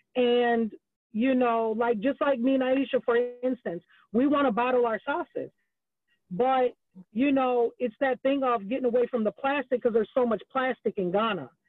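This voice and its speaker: With an American accent, a woman speaks at a high pitch and moderate pace, keeping fairly even intonation and very even loudness. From Minneapolis, Minnesota (north side). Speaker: business owner and activist. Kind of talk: podcast interview.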